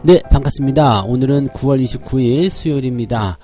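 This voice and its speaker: A man with a slightly hoarse voice giving a daily stock market briefing, explaining each point step by step. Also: medium pitch, a little fast, dark tone, faint music behind. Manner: explanatory, frequent "자" openers.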